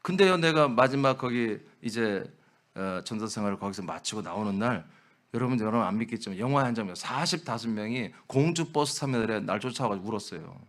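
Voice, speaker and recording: A man's voice: fairly low pitch, lively intonation, a little fast, a bit bright. A male pastor preaching with emphasis in a church, talking straight to his congregation.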